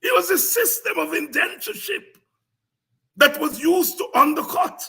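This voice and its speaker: A man with a Guyanese accent giving an impassioned, informal history lecture as a programme host, emphatic, repetitive and combative, with a raspy, gravelly voice. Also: very high-pitched, expressive, normal speed, pushed and bright.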